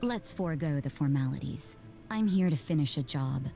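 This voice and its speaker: An actress voicing a cool, jaded young nun who works in the shadows, in measured, blunt, unsentimental game dialogue. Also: female voice, deep voice, lively intonation, gravelly, dark tone. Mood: aloof, dry. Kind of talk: scripted game character voice lines. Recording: background music under the voice.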